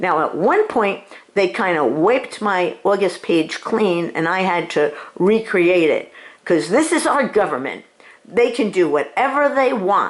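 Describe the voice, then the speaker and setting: At a fairly slow pace, a woman speaks at medium pitch with very wide pitch swings and very even loudness. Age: 70s. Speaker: YouTuber and self-described gang stalking target. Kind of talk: personal vlog, complaint. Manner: halting, with fillers.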